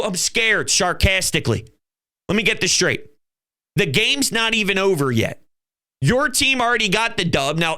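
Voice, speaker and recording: A man's voice: sits high, pushed and bright. A man hosting his own fan channel, talking football in an emphatic, fired-up way and swearing now and then. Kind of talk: fan commentary vlog.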